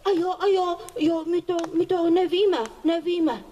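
A woman's voice: extremely high pitch, steady tone, dark tone, muffled recording, a little hiss or hum. A woman voicing a timid, worried little boy in a puppet-theatre fairy tale, plaintive and hesitant. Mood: feigned ignorance. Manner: plaintive, hesitant, repeating himself.

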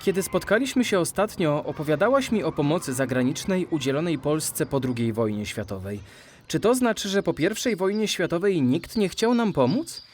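A man playing a curious, eager young male cartoon animal in a children's audio drama, inquisitive and expressive. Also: on the high side, normal speed, a little hiss or hum.

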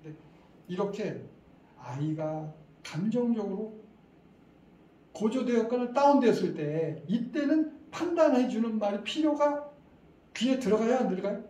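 A man's voice: high-pitched, lively intonation, measured pace, long pauses, dark tone. A middle-aged man giving an interactive lecture to parents, quizzing the audience and chuckling as he talks. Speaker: lecturer at parent education session. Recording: echoey hall, distant mic, faint ambience.

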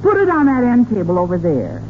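A thin, noisy 1940s radio recording carries an American housewife. She is middle-aged, fussy and excitable. Her voice swings up and down as she exclaims and insists. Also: a little high, brisk, phone-quality sound. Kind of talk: 1940s radio comedy acting.

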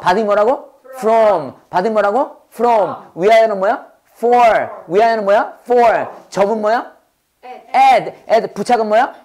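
A hoarse English teacher who runs a brisk call-and-response drill, repeating each prompt and having the class echo it back. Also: medium pitch, darkish tone.

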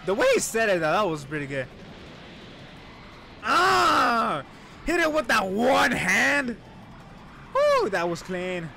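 Very high-pitched, excitable male streamer. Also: slow pace, creaky, pauses often, slight background noise. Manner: animated, exclamatory, playful, often shouting. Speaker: VTuber streamer reacting to an animation. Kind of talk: excited reaction commentary with casual slang. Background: music and video audio.

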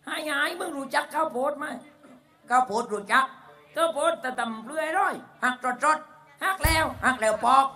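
A man's voice: very high-pitched, heavily acted. A man doing a rowdy, crude village clown with a Southern Thai accent. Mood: boisterous. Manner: shouting, laughing, rapid-fire guessing. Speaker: shadow-puppet performer. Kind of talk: live shadow-puppet comedy. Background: live folk music band.

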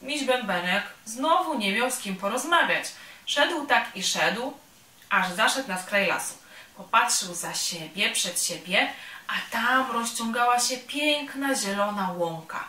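A woman reading a children's story aloud at a cultural centre workshop in a calm, gentle, unhurried way. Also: on the high side. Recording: roomy sound from a distant mic.

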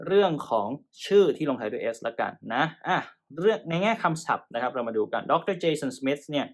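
A young man teaching TOEIC grammar in Thai, explaining patiently and often checking in with his listeners, slowing down to spell and pronounce English terms. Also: mid-range voice, fairly bright tone. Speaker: TOEIC tutor. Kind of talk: exam-prep lesson.

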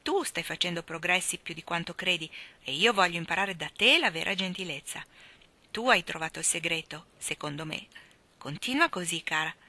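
A woman's voice: on the low side, sharp tone, no room sound, exaggerated voice. A woman voicing a headstrong, impulsive teenage girl who speaks with passion in a storybook reading. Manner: passionate, exclamatory.

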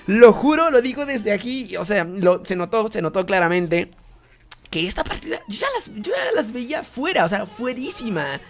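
A young man commentating his own game, excitable and prone to shouting and repeating words in bursts. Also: high voice, moderate pace. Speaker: gaming YouTuber. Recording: music playing underneath.

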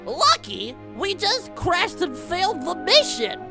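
A woman acts a nerdy little turtle kid with a squeakily high, swooping voice. He is anxious, bookish and urgent, in a cartoonish comic dub over music. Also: big pitch swings, slow, vocal fry, heavily acted. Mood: fretful. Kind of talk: fan-dub comic acting.

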